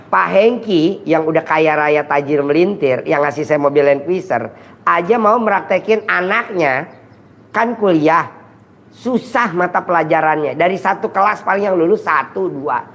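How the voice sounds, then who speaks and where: A man's voice: on the high side, moderate pace, fairly bright tone. Bantering man hosting a crude advice session. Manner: bantering, crude jokes, calls people "Bos" and "Do". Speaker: host giving advice sessions. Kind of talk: joking advice session before a live audience. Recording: echoey room with faint ambience.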